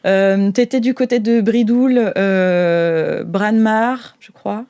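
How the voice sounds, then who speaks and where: A woman's voice: mid-range voice, slow, mellow, clean tone, no room sound. A woman runs an improvised role-playing game as host. She narrates informally, searching for words and giggling easily, in a dry, close recording. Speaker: game master, show host.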